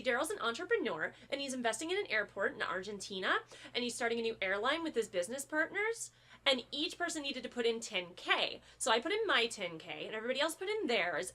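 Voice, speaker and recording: An actress playing a gullible younger sister who rambles about a bad investment and swears a lot. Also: female voice, fairly high pitch, pushed and bright. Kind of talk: comedic audio drama.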